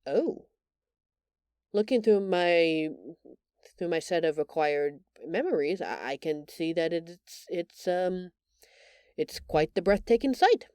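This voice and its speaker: A woman voicing a gentle, timid alien woman in an intimate audio roleplay, speaking hesitantly and earnestly, with tender halting stammers. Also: lowish voice, expressive, clean tone, no room sound, clean studio sound. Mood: shy, astonished. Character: gentle, timid bioluminescent alien woman, shapeshifter in human exile.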